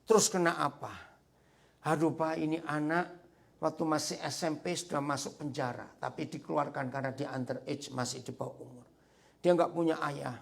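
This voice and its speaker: A man preaching a sermon as pastor, telling a story with lively asides to the congregation. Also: fairly high pitch, vocal fry. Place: church sanctuary.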